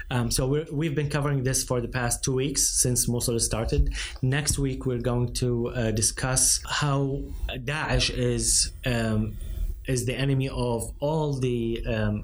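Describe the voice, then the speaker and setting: A man answering interview questions about his media program, halting and searching for words. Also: medium pitch, slight background noise.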